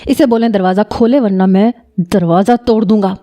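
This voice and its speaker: Woman playing angry jealous young man, shouting. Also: mid-range voice, lightly acted. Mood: indignant. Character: young man, jealous and hot-tempered cousin.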